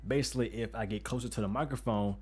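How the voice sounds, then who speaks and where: A man with a deep, bassy voice hosting an informal, conversational tutorial in slangy everyday speech, recorded close on a studio microphone. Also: quick pace, a little mellow, slightly rough. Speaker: music production tutorial host. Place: untreated home studio room with reflection filter. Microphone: studio microphone with pop filter, close up.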